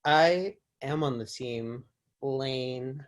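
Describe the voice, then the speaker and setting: A woman's voice: rumbling low, drawn-out words, exaggerated voice. A woman playing a cool, matter-of-fact teenage girlfriend in a comic screenplay table read. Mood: firm, matter-of-fact.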